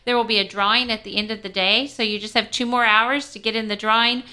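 Bright, clear-voiced woman radio host. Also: a little high, fairly even intonation, fast talker. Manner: chatty, explaining step by step. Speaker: radio host running a pledge drive. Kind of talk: casual radio hosting.

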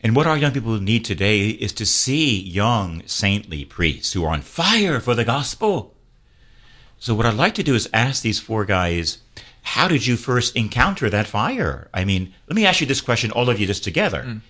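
A man's voice: fairly low pitch, big pitch swings, normal speed, sharp tone. A man, a priest, hosting a radio talk show, earnestly exhorting and leading call-and-response prayer.

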